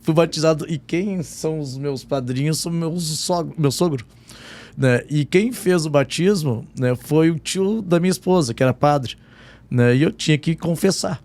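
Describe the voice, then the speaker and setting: Chatty law professor hosting a podcast. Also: male voice, fairly high pitch, normal speed, a little mellow. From born in Jordan, raised in Rio Grande do Sul. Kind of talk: podcast interview, casual chat.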